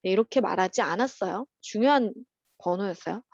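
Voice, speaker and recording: A woman teaching at a private academy, patiently walking children through workbook answers in a chatty way, with frequent soft "um" pauses. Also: medium pitch, dry recording, lo-fi sound. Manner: patient and chatty, opens steps with "자" and fills pauses with "어".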